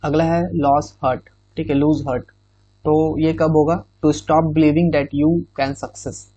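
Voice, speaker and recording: A man's voice: fairly high pitch, flat delivery, slow, warm tone, no echo. A male exam-prep teacher explaining idioms in Hindi with English phrases, often checking in with "theek hai". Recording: dull, muffled recording.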